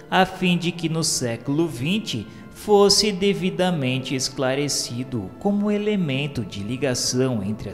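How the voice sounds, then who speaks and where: A man with a Brazilian accent reading scripted religious narration for a radio drama in a solemn, formal, measured way. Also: on the high side. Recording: long reverb, music underneath. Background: music.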